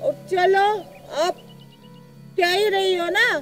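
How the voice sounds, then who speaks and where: Faint music plays behind a woman speaking at a very slow pace. Her pitch is extremely high. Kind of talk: acted comedy dialogue. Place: waterside.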